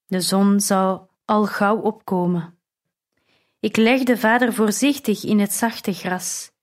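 A woman reading a first-person audiobook in a measured, earnest way. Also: medium pitch, steady tone. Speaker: narrator.

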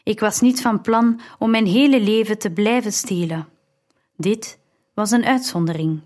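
A woman reads a first-person story aloud in the style of an audiobook. Her pace is slow and deliberate, and her pitch sits at a middle level. The reading stays measured and reflective throughout. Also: a little mellow. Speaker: audiobook narrator.

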